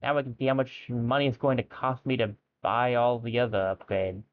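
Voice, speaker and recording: A man's voice: mid-range voice, a little fast. A man streaming a video game and thinking aloud in casual commentary, with wry jokes at his own expense. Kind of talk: casual let's-play commentary. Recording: tinny phone-like sound.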